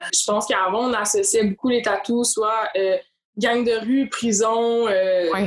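A woman with a Quebec accent speaks very slowly in a fairly high voice. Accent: Québécois French. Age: 20s. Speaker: tattoo artist. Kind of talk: casual chat.

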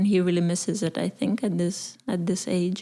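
A woman's fairly low voice, dark and mellow in tone, with fairly even intonation. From Moldova. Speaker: artist and designer. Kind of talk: casual interview. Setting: at home. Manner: hesitant, many fillers.

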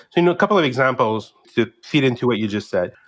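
An ordinary speaking voice with lively intonation comes through on a very clean recording with a silent background. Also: man. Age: 50s. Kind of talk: interview conversation.

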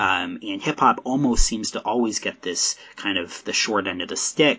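Moderately paced, a man talks with a Canadian accent. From Southern Ontario, Canada. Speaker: podcast host. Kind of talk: interview. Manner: halting, many fillers.

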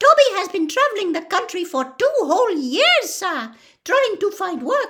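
It's a put-on character voice, squeaky and extremely high. The pitch swings very widely. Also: moderate pace. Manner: servile.

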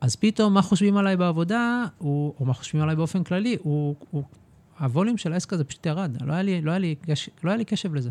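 Very fast and lively in intonation, a man speaks at a high pitch. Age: 40s. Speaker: podcast host and body psychotherapist. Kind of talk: casual chat. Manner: halting.

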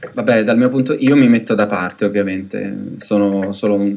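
A man is speaking. His pace is fairly quick. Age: young. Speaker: voice actor. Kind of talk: casual chat.

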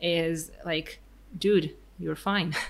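A woman with an Israeli accent speaks at a fairly low pitch in a very clean recording with a silent background. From Tel Aviv, Israel. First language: Hebrew. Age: 30s. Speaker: tour guide and speaker. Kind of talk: casual interview chat. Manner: halting, with frequent hesitations.

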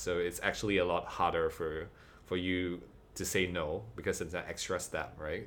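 This man's voice is very deep and low, with vocal fry. He speaks at a moderate pace with ordinary pitch variation. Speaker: podcast host and design educator. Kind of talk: interview. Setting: webinar, online call.

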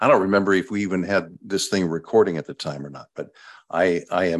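A man's very deep, low voice at a moderate pace. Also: quiet background. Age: 70s. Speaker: podcast host. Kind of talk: casual interview.

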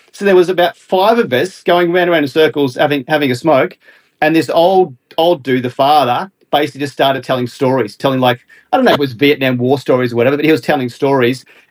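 Speaking with an Australian accent, a man is heard. He goes at a very fast pace. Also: fairly high pitch for a man, ordinary pitch variation. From rural Victoria, Australia. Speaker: barbecue grill company representative. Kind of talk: casual chat.

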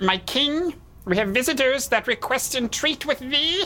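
Light background noise sits behind a high-pitched, put-on character voice. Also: moderate pace. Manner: warning, wary, then formal to his king.

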